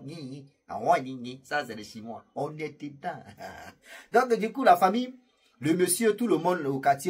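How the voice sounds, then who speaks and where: A man tells a story to his channel's viewers in a loose, rambling way, turning to the audience and joking between points. His voice is heavily husky, almost raspy, and sits at an ordinary male pitch. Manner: chatty and rambling, laughing at his own jokes, addressing viewers directly. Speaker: YouTube storyteller. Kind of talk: casual spoken storytelling to viewers.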